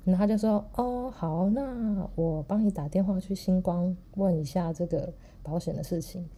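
A woman with a Taiwanese Mandarin accent, co-hosting a podcast and telling a story in a casual, animated way. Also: fairly low pitch, moderate pace. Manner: animated, laughs through her story. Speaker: podcast co-host.

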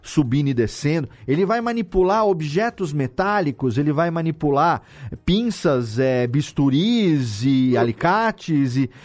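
A Brazilian man talking casually as an interviewed audio editor, explaining things in an animated way with rhetorical questions. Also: a little high, measured pace. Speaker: audio drama editor and podcast guest.

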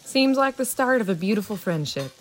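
An actress playing an easygoing small-town mother in an audio drama, folksy, teasing and gently scolding. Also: mid-range voice, lively intonation, brisk, natural voice, poor audio. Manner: folksy, teasing, matter-of-fact.

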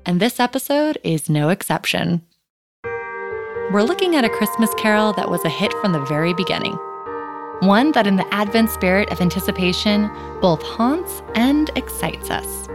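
Female podcast host with a mid-range voice; polished, measured scripted narration over a music bed. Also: medium pitch, animated. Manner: polished, measured storytelling delivery.

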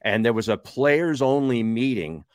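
A man's voice: medium pitch, animated, unhurried, dry recording, clean studio sound. A man in his fifties hosting a sports podcast, wry and joking in casual chat. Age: 50s. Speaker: host.

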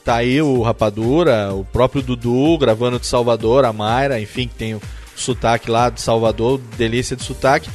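A man hosting a podcast in casual chat, joking and teasing in an animated way. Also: mid-range voice, normal speed, faint music behind. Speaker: podcast host.

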